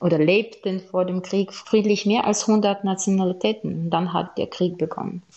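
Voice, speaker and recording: A woman's voice at medium pitch. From Ukraine, Odesa. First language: Ukrainian or Russian (speaking German). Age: 40s. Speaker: journalist and teacher. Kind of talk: interview. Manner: halting.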